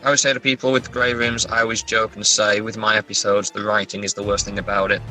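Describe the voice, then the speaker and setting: A man's voice: lowish voice, level tone, fast talker, over music, low-quality recording. A man talking casually as a guest author in an interview, chatty and self-deprecating.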